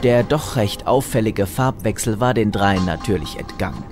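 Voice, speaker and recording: A man's voice: fairly low pitch, normal speed, music in the background. A man narrating a scripted comic story in a wry, tongue-in-cheek manner.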